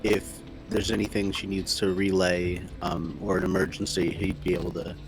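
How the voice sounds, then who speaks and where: A man's voice: sits low, level tone, moderate pace, over music, rough recording. A man talking casually as a player in a tabletop role-playing game.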